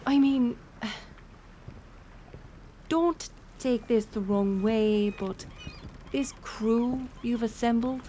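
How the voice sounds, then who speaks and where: A woman's voice: a little high, extremely slow, long pauses, warm tone, a little hiss or hum. A woman playing a bold, teasing pirate smuggler captain in an audio roleplay, playful and sardonic in manner. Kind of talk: intimate audio roleplay storytelling.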